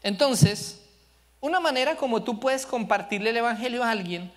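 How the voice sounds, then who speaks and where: A man's voice: very high voice, lively intonation, moderate pace. A male pastor preaching a sermon, telling stories with animation and asking the congregation questions. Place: church service.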